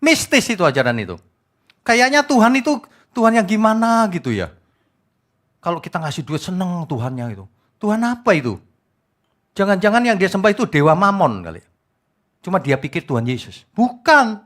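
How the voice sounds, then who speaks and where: A middle-aged man preaching a sermon as pastor, animated, mocking and scolding in turn. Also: high voice, fairly quick, long pauses. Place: church.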